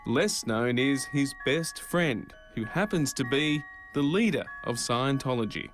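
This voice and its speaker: A man narrating a documentary clip in a measured, scripted way. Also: medium pitch, animated, fairly bright tone. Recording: clip played with music under it.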